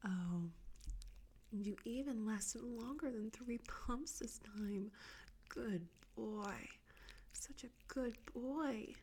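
A woman whispering close to the mic in a soft, coaxing, teasing audio roleplay. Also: mid-range voice, a little hiss or hum.

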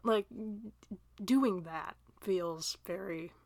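A young woman talks slowly and unhurriedly into a dry, close recording with no room sound. She rambles through listener questions, laughing often and turning self-deprecating, and her voice sometimes sinks into a soft, near-whispered aside. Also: on the low side, gravelly, dry recording.

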